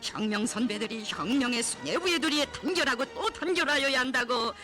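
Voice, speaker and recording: Casting: male narrator, North Korean accent, extremely high voice, reverent declamatory propaganda read over clear music. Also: lively intonation, brisk. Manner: reverent, solemn, emotive declamation. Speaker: documentary narrator. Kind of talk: scripted propaganda film narration.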